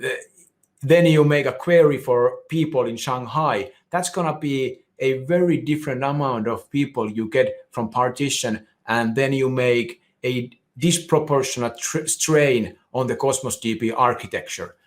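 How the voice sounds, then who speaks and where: Man, Finnish accent, tech presentation, explains step by step, restarts phrases, average pitch. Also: a little slow. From Finland. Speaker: conference speaker. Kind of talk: technical presentation.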